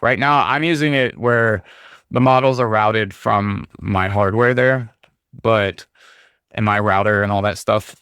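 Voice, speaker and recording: A man talking casually on a livestream, rambling with lots of fillers, his voice going hoarse as he gets over being sick. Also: fairly low pitch, a bit bright, no room sound, clean studio sound. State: hoarse, recovering from illness. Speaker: streamer.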